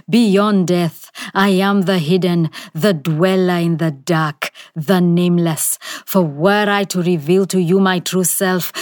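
A woman voicing an ancient, nameless male spirit, slow and menacing, in an audio story. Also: lowish voice, no echo, clean studio sound. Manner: whispering, roaring, menacing.

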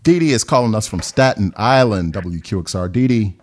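A man hosting a live call-in radio show, asking callers gentle, encouraging questions. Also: lowish voice, expressive, a little fast. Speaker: radio host.

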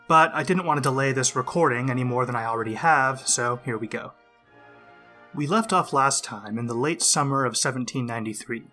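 A man hosting a history podcast, reading a scripted narration in a measured, explanatory way while getting over a cold. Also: mid-range voice, sharp tone, faint music behind. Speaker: podcast host.

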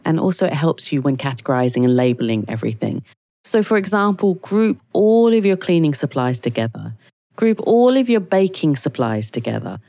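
A woman hosting her own podcast, croaky from a cold, chatting casually with lots of fillers and restarts. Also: deep voice, darkish tone, dry recording, clean studio sound. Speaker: podcast host. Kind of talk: casual solo podcast talk.

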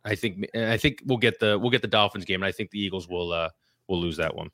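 Fast-talking man on a dry mic. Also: low-pitched, no room sound. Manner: animated, opinionated fan talk. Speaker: sports podcast co-host. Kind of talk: casual sports chat.

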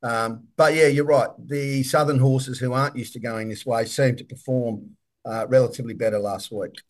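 A man with an Australian accent and a mid-pitched voice speaks as a panel guest. His style is casual, laid-back and matey, like friendly sports chat. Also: steady tone, normal speed. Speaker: racing tipster and panel guest. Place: hotel room.

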